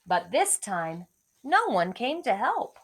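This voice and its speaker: A woman reading a story aloud to young children like a teacher, in an expressive storytelling manner. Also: mid-range voice, slow. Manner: expressive, clearly addressing children. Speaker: elementary school teacher reading to pupils.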